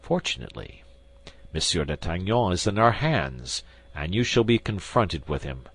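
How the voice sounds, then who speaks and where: A man voicing a stern, pompous police commissary who interrogates forcefully. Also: low-pitched, very animated, moderate pace, breathy edge, heavily acted, rough recording.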